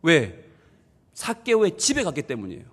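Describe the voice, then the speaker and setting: A male pastor preaching a sermon to his congregation. He preaches in an animated way, talks straight to the people in the pews and acts out the voices he quotes. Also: a little high, normal speed. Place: church sanctuary. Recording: long church reverb.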